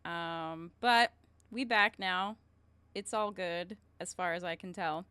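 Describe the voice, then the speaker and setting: A woman's voice: fairly low pitch, slow, bright, forceful tone, smooth, no echo. A woman hosting a stream, chatting casually as she introduces things to viewers. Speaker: stream host. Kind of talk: casual chat, introducing guests.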